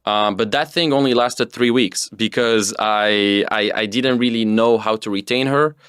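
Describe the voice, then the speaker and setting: A young man from Tunisia, telling his story as a guest in a relaxed, rambling way. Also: on the low side, measured pace, smooth, dry recording, clean studio sound. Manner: relaxed, rambling with fillers and restarts. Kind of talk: casual interview storytelling.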